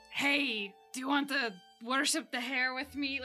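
Over faint music in the background, a woman puts on a raspy character voice, high-pitched, with fairly even intonation and a moderate pace.

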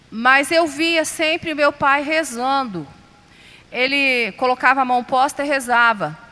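A woman with a Brazilian accent uses a raised, projected voice at a high pitch and a very slow pace. Noticeable background noise runs underneath. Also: ordinary pitch variation. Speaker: lay preacher leading a prayer group. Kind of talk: sermon and guided prayer. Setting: prayer group, streamed online. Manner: fervent, exhorting, leading call-and-response prayer.

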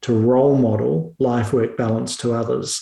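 Over music in the background, a man with a New Zealand accent speaks at a moderate pace and a medium pitch with ordinary pitch variation. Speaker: business executive and author. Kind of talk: interview.

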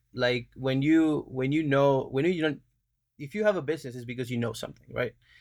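Man with a Uruguayan accent, fairly high pitch, ordinary pitch variation and a fairly quick pace. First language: Spanish. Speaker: video production business owner. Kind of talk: casual interview. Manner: halting, with repeated words and fillers.

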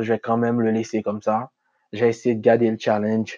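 A man's medium-pitched voice with a dark, mellow tone and a dry, close sound with no echo. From Haiti. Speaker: entrepreneur podcaster. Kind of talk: solo podcast monologue. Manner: hesitant, many fillers.

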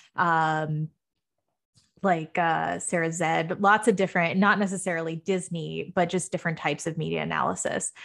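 A woman with a New York State accent speaks at a moderate pace, her fairly low pitch carrying vocal fry. Her intonation stays monotone and flat, and the recording is very clean with a silent background. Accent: American, New York State. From upstate New York. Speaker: podcaster. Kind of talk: casual interview.

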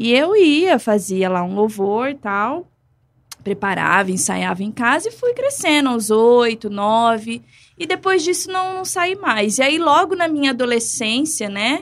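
A woman's high voice with a Brazilian accent and very wide pitch swings. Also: fairly slow pace. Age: 30s. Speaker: church member and preacher, trained teacher. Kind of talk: radio interview.

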